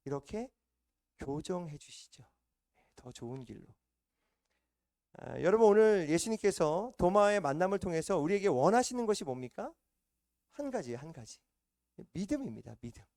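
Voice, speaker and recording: A man preaching a sermon at a church service, emphatic and repetitive, swinging between loud stresses and hushed asides. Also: high voice, expressive, normal speed, pauses often, no echo, clean studio sound.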